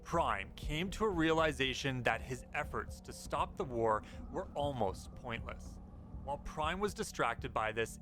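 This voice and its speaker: A man hosting an informal video commentary on game news, speaking as a narrator over his footage. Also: mid-range voice. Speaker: gaming news YouTuber, host. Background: background music.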